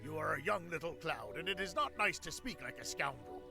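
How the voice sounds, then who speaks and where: A gravelly cartoon ghost pirate, brooding and condescending. His delivery is deliberate but swings widely in pitch, with loud music behind. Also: expressive. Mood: scolding. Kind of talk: animated cartoon dubbing.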